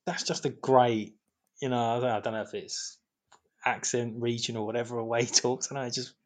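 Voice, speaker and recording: A man's voice: medium pitch, steady tone, a little fast. A man co-hosting a casual football podcast, often stumbling and restarting as he talks. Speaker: podcast co-host.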